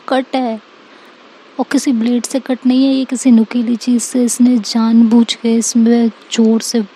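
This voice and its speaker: A woman voicing a schoolteacher who calmly and firmly tells a student to settle down. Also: fairly high pitch, poor audio. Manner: firm and reassuring. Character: firm, calming female schoolteacher.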